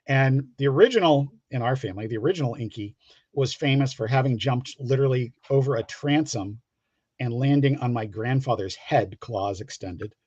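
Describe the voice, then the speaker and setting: A man's voice: medium pitch, normal speed, a little mellow, husky. Dull, roomy-sounding man telling stories casually. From United States, Pittsburgh area. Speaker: guest comic book creator. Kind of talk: casual anecdotal chat. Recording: dull lo-fi, roomy call audio.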